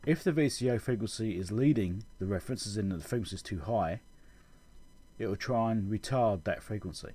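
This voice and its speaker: A man giving an informal technical explanation as a channel host, halting and correcting himself as he thinks aloud. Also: fairly low pitch, mellow, breathy edge. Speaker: electronics repair channel host.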